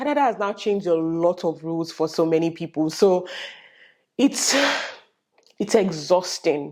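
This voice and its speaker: An animated woman's voice in a Nigerian accent, with ordinary pitch variation. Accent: Nigerian (Yoruba) English. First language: Yoruba. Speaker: vlogger. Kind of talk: casual vlog talk.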